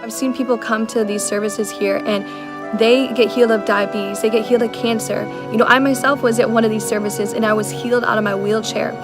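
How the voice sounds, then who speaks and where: Woman, earnest testimony, accusing tone, short bursts, flat delivery. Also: on the high side, a little fast, over music. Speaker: witness describing her father. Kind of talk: testimony in an interview.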